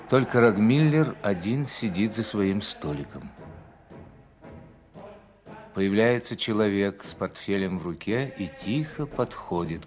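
Low, unhurried male narrator over music. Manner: measured, scene-setting. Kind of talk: scripted audio drama narration.

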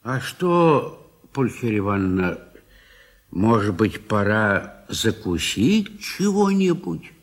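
A gentle old landowner in a radio play, hungry and mildly grumbling. His slow voice swings widely in pitch, with a husky grain and hesitant, drawn-out replies. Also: sing-song, full character voice. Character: gentle, food-loving old country landowner husband.

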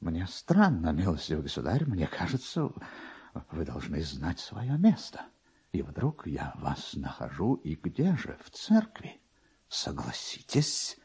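A man voicing a timid yet self-important major who has lost his nose, halting and deferential as he gropes for words in a dramatic reading. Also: very deep voice, wildly swooping pitch, darkish tone, breathy edge, voice pushed down, exaggerated voice. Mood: timid, indignant.

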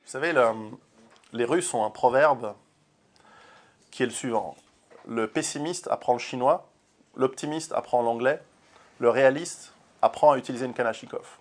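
A man's voice: mid-range voice, normal speed, long pauses. A man, an author, answering interview questions in an earnest, forthright way, with many fillers and repeated words.

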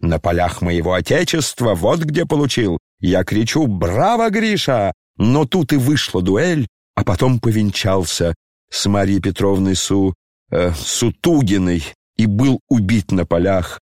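A man reading an audiobook and voicing an aging, disgraced retired general who talks slowly, tearfully and pompously. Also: lowish voice, animated, a little mellow, no echo, clean studio sound, voice pushed down. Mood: maudlin. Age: over 60. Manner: slow, tearful, declamatory, pompous.

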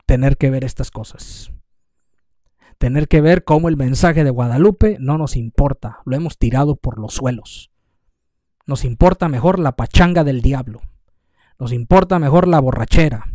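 A man's voice: medium pitch, darkish tone, dry recording, studio quality. A man preaching a fiery Catholic sermon with a Mexican accent, scolding his listeners with emphatic repetition.

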